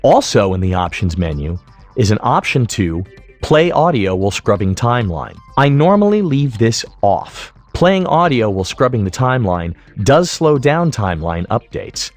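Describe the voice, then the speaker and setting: A man giving an explanatory tutorial voice-over as an instructor, speaking in a measured, methodical way. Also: lowish voice, big pitch swings, soft background music. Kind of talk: explanatory screen-recording narration.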